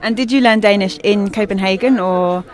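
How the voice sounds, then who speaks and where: A woman hosting quick, upbeat interviews with guests outdoors at a conference. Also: mid-range voice, a faint crowd. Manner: upbeat, chatty, friendly greetings. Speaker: interviewer, host.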